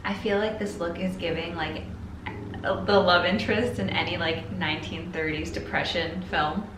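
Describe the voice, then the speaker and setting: With music in the background and a roomy echo around her, a woman in her twenties who runs a sewing vlog chats casually, bubbly and playful and prone to exaggeration. She speaks at a moderate pace in a steady, lowish voice.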